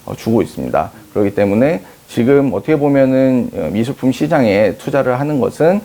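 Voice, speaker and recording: A man in his thirties, a company head, answering interview questions in a measured, explaining way with frequent hesitation fillers. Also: medium pitch, expressive, mellow. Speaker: company CEO interviewed on art investment.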